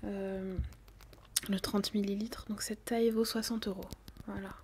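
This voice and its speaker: A woman whispers softly and steadily, playing a perfume saleswoman in an ASMR roleplay. Her tone stays level, with little rise and fall. She hesitates often, filling pauses as she goes. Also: mid-range voice, level tone, a little hiss or hum. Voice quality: soft whisper. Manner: hesitant, many fillers.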